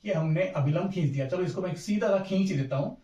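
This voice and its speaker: A man's voice: sits high, fast talker, dark tone. A man teaching a maths lesson, explaining each step and often checking that students follow. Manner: explains step by step, asks "समझ में आई बात?". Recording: echoey room, voice from a distance.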